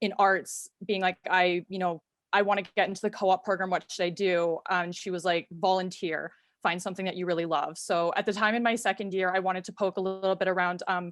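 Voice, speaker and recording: A woman with a Canadian accent speaks at a fairly quick pace and medium pitch in a monotone, flat intonation, the sound dry and close with no echo over a quiet background. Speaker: graduating student and volunteer coordinator. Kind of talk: panel discussion. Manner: fast.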